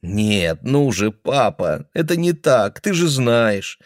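Male narrator puts on a tender middle-aged daughter, soft and calming. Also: mid-range voice, slow pace, no echo, clean studio sound. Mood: reassuring. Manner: soothing, gentle.

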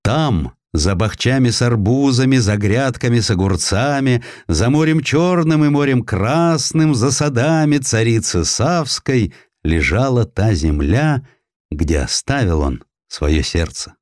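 A man reading historical prose as an audiobook narrator, in an expressive, dramatic storytelling manner. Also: medium pitch, measured pace, no echo, studio quality.

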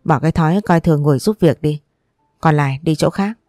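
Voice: medium pitch, fast talker, a little mellow, no room sound, studio quality, soft background music, close to an everyday voice. A storyteller voicing a stern, angry young husband who scolds harshly.

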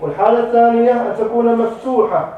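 A man's voice: very high voice, rapid-fire, phone-quality sound. A man teaching a grammar class. He quizzes the students and repeats the key terms. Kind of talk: classroom lesson. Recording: echoey classroom, mic far off.

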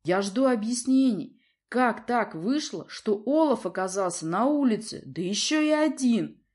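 A woman's voice: mid-range voice, animated, moderate pace, natural voice. A woman voicing a roaring, imperious lion prince. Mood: angry. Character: stern domineering lion prince, a father.

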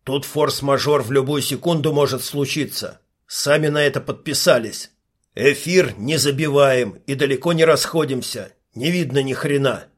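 A man doing a gruff, cursing commander. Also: mid-range voice, moderate pace, close to an everyday voice. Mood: stern. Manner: barking orders, swears. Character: gruff male squad commander, foul-mouthed and stern.

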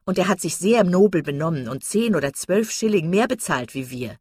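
A woman's voice: fairly low pitch, expressive, moderate pace, darkish tone, breathy edge, no room sound, studio quality. A woman voicing a silly, vain young woman who talks in an affected, simpering way.

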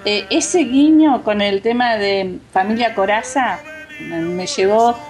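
A woman's voice: medium pitch, slow, darkish tone, soft background music. A woman with an Argentine Spanish accent, co-hosting a casual chat and telling anecdotes with many hesitant restarts. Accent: Rioplatense Spanish. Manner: storytelling, hesitant with fillers and restarts. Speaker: co-host.

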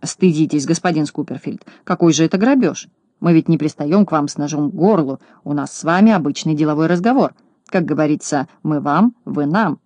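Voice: mid-range voice, a little fast, a little mellow, no room sound, lightly acted. A slick male swindler talks in a polished, falsely courteous way, as a storybook reader puts him on. The recording is close and dry. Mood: smooth. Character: smooth-talking male swindler, mock-polite. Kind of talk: audiobook narration.

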